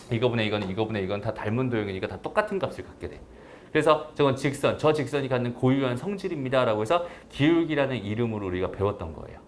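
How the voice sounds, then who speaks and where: A man teaching a recorded math lecture in a casual way, often checking understanding with quick tag questions. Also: medium pitch, a little hiss or hum.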